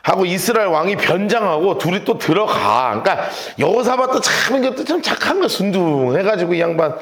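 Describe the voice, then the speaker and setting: A pastor leading a lively Bible study lecture, acting out scenes and shouting the quotes. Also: male voice, high-pitched, a little fast, reverberant. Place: church hall.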